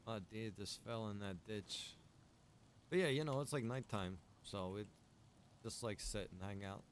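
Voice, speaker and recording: A man chatting casually on a game livestream, rambling and thinking out loud. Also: on the low side, measured pace, a little hiss or hum. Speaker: game streamer. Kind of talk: casual livestream chat while gaming.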